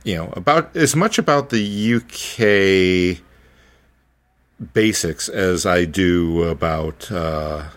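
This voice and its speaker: A man chatting as a podcast host, halting and repeating words as he searches for the next one. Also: sits low. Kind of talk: casual podcast conversation.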